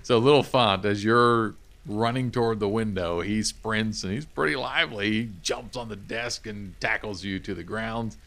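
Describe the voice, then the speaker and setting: A middle-aged man narrating an improvised tabletop game as game master, halting now and then to find his words. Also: lowish voice, gravelly, a bit bright. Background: music.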